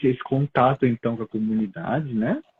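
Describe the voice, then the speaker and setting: A man with a Japanese accent speaks at medium pitch and a moderate pace. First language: Japanese (speaking Portuguese). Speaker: interviewer. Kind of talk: interview.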